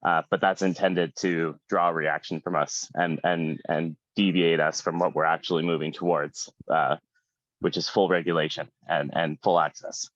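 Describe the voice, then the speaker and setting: A man's voice: sits low, level tone, normal speed, a bit bright, no room sound. Man, group voice chat, dry close audio, dull lo-fi call line, speaking on the spot while travelling. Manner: speaking from the road, slightly caught off guard. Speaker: safe supply worker and researcher. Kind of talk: remarks in an online group meeting.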